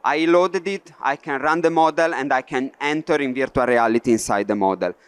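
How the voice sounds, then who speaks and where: Italian-accented man, smooth clear voice. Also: medium pitch, a little fast, no room sound. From Italy. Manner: hesitant, many "uh" fillers, non-native phrasing. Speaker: workshop presenter. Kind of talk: live product demo presentation. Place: trade fair stage.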